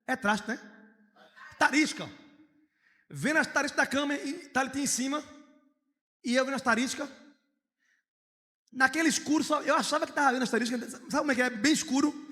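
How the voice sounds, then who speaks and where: High-voiced preacher in an echoing hall. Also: male voice, a little fast, pauses often. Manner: lively preacher, shifting from hushed storytelling to loud outcries. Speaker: pastor. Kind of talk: sermon with personal storytelling. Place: church hall. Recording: long reverb of a church hall.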